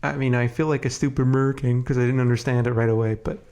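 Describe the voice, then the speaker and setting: A man co-hosting a podcast in a relaxed, chatty way, sounding congested and sniffly from a cold and leaning on fillers. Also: medium pitch, rapid-fire. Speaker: podcast co-host. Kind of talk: casual podcast chat.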